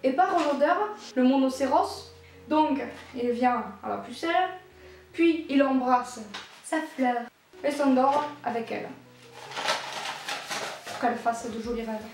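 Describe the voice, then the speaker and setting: A woman's voice: high voice, a little slow, long pauses, a little mellow, a little hiss or hum. A young woman explaining a history topic in a casual, playful way, with joking asides. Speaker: YouTube creator. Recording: very echoey room.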